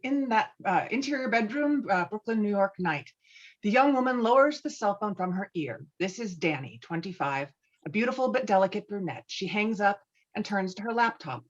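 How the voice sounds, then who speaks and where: A woman's voice: mid-range voice, animated, moderate pace, muffled recording. A woman reading screenplay stage directions as narrator at a table read.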